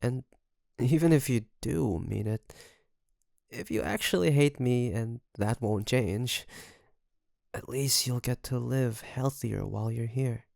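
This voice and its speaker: A man playing an obsessive, doting kidnapper best friend in an intimate audio roleplay, creaky, coaxing and teasing with soft menace. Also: mid-range voice, no echo, clean studio sound. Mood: coaxing, smug. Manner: softly menacing, coaxing, teasing, with drawn-out phrases.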